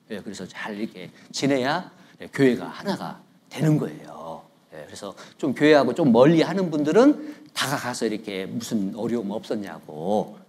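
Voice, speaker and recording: A man's voice: medium pitch, darkish tone, breathy edge. A middle-aged man, preaching a conversational sermon as a guest pastor in a church, joking and telling stories while he keeps prompting the congregation for replies. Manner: joking, storytelling tone. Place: church sanctuary.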